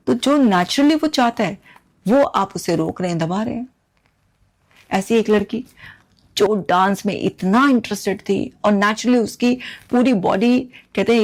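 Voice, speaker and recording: A woman hosting an advice talk, speaking earnestly to viewers with lively emphasis. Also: mid-range voice, creaky. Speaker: talk show host.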